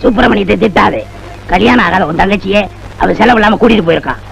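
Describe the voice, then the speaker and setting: An actor playing a male prisoner in disguise as a Punjabi trader, answering in a deadpan, evasive way. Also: high voice, fast talker, gravelly, a little hiss or hum, pitched below the performer's own voice, heavily acted, rough recording.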